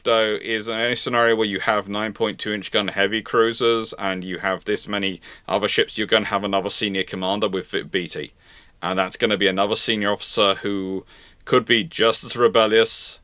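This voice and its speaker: Bright, deep-voiced man thinking aloud live. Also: no room sound. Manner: halting, repeats and reworks phrases as he thinks aloud. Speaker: host answering viewer questions. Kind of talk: live Q&A naval history commentary.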